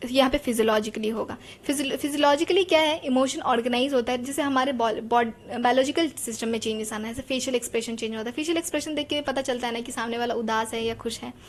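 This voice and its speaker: High-voiced chatty woman teacher. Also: quick pace, hardly any pauses. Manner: chatty, asks the class rhetorical questions. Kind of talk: explaining a psychology lesson.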